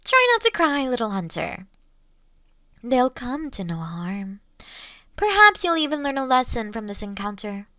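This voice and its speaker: A woman playing an ancient, elegant monster in a Victorian fantasy audio drama, teasing her hunter in archaic, formal phrases with lingering pauses. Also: fairly high pitch, big pitch swings, pushed and bright, no echo, studio quality, exaggerated voice. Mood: taunting. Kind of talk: slow theatrical roleplay monologue in Victorian fantasy audio drama.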